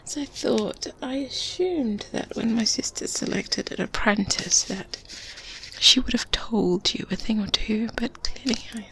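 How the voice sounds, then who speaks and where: A woman playing a brisk, secretive, faintly condescending good witch in a soft, breathy, whispered ASMR roleplay. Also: on the high side, rough recording. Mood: condescending, explaining. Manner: slow, deliberate, hushed, commanding.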